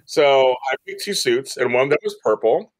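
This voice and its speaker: A middle-aged American man telling stories casually as an interview guest, chatty and quick to act out what people said. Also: mid-range voice, poor audio. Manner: chatty, animated, acts out quoted remarks. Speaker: podcast guest, entertainment reporter and host.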